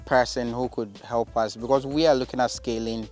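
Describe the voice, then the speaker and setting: A man from Ghana, a farmer guest, speaking outdoors in a farm paddock in a measured way with small hesitations. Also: medium pitch, fairly even intonation, a little mellow, faint music behind. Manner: thoughtful, measured, some hesitations. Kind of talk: casual outdoor interview.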